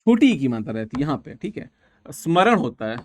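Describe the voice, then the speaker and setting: A man's voice: fairly high pitch, big pitch swings, fairly quick, a little mellow. Man teaching, repeating every answer. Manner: repeats each answer several times, casual "dekho yaar" asides. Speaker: exam-prep Hindi teacher. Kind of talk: online exam-prep class.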